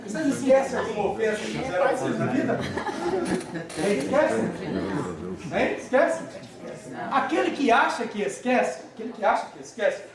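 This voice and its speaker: A man giving a religious lecture, animated, constantly questioning the audience in a hall. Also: extremely high pitch. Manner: animated, keeps quizzing the audience. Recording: echoey hall, speaker far from mic.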